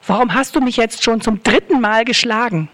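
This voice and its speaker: A woman's voice: a little high, brisk, a bit bright, natural voice. Woman voicing a wronged talking donkey. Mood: reproachful. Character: patient, wronged female donkey.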